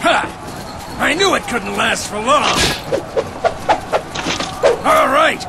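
Brash high-voiced game pirate, gravelly, very slow drawl. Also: male voice, expressive, exaggerated voice. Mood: cocky. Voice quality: cocky, loud. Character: brash restless young male pirate warrior. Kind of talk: video game cutscene voice acting. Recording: noisy game cutscene ambience.

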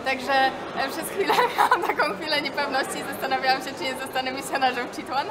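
A woman's voice: high-pitched, fairly even intonation, fast, over a noisy crowd, heavy background noise. A young woman giving a cheerful casual update, laughing as she tells it. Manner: cheerful, laughs while telling.

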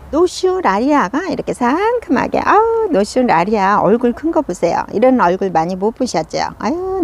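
A woman's voice: medium pitch, gravelly, a little mellow, slight background noise. A woman hosting a casual succulent showcase, gushing and exclaiming over how pretty each plant is. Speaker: succulent shop video host.

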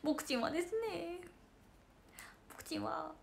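女性が演じる寝坊ばかりの甘えん坊な女の子. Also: female voice, extremely high pitch, steady tone, slow pace, creaky, heavily acted. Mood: whiny. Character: sleepy, fretful young girl imitating a fellow idol.

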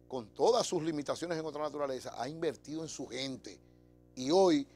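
A man's voice: a little high, darkish tone. A middle-aged man with a Dominican accent, hosting a TV show with an emphatic, conversational monologue to camera. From Dominican Republic. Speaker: TV show host. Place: TV studio. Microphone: lapel mic.

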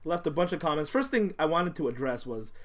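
A man co-hosting a podcast, talking loudly and joking in casual chat, picked up by one shared table mic in a small room. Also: fairly high pitch, a little fast, crowd noise. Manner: loud, joking, animated. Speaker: podcast co-host. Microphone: single shared tabletop mic.

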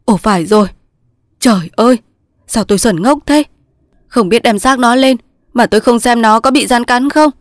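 A woman voicing a young male resistance soldier, pleading in loud sobbing outbursts in a storybook reading. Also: fairly high pitch, normal speed, pauses often, no room sound, clean studio sound, voice pushed up, close to an everyday voice. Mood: grieving.

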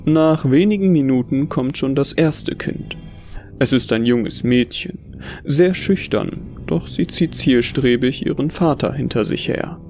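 Gravelly man narrating a horror story. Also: mid-range voice, a little slow, a little mellow, faint music behind. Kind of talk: first-person scripted horror story narration.

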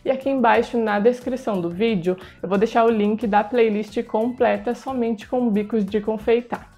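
A woman's voice: on the high side, fairly even intonation, moderate pace, dark tone. A woman in her thirties with a Brazilian accent, presenting a casual tutorial as a channel host on a lapel mic. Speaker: host of a cake decorating channel. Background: background music.

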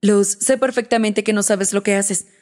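A woman's voice: mid-range voice, fairly even intonation, moderate pace, a little mellow, natural voice. A woman reader voicing a protective man who speaks firmly and steadily in an audiobook, in nearly her own voice. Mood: soothing. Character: protective man, angry then soothing. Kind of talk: audiobook character reading.

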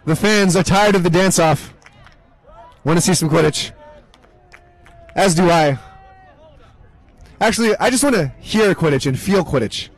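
A young man commentating a live match, mixing play-by-play with deadpan jokes. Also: sits high, normal speed, a faint crowd, low-quality recording. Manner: deadpan joking asides. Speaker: sports commentator. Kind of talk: comedic live sports commentary.

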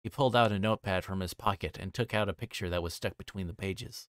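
A man's voice: deep voice, fast, a bit bright, dry recording. A man livestreaming a visual novel, reading its narration aloud and sometimes stumbling and re-reading. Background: music behind the voice.

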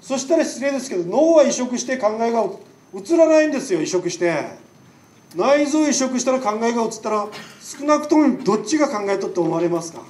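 Speaking in Nagasaki dialect, a doctor with a very high, animated, darkish voice delivers a brisk public lecture in a lecture hall. His chatty style is packed with rhetorical questions, and the distant mic catches a lot of echo.

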